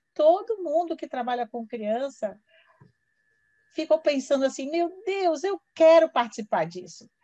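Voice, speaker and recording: Her tone dark and mellow, a woman speaks at a fairly slow pace with lively intonation in a dry, close sound with no echo. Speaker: podcast host. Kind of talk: interview.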